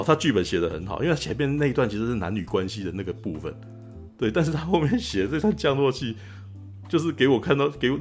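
A man with a Taiwanese Mandarin accent hosting a podcast, animatedly retelling a film scene in casual chat and tagging his lines with "you know?". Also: medium pitch. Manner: animated retelling, frequent "you know?" tag, laughs often. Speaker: podcast host.

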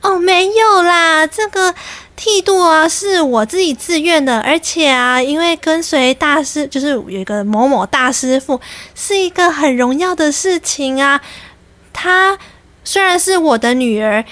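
Woman putting on her calm nun mother. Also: sits high, measured pace, pitched above the performer's own voice. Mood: serene. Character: gracious older Buddhist nun mother, composed.

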